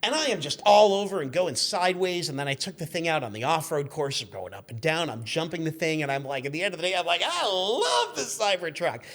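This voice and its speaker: A man's voice: on the high side, sing-song, brisk, hardly any pauses, fairly bright tone. A man in his fifties chatting casually as a guest, telling rambling stories and acting out the exchanges he quotes. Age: 50s. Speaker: guest, car magazine editor. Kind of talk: animated anecdotal storytelling, casual chat.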